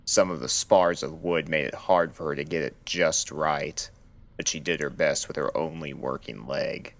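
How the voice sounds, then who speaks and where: A man narrating a scripted horror story in a measured, dramatic storytelling manner. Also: rumbling low, steady tone, vocal fry, a bit bright. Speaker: narrator of fan fiction readings.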